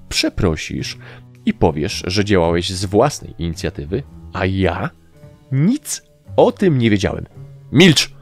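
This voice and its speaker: Brief: man doing a red-faced army colonel, roaring and scornful, deep gravelly voice, storybook reading. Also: heavily acted. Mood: furious. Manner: shouting, blustering, mocking. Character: furious bellowing middle-aged male army colonel.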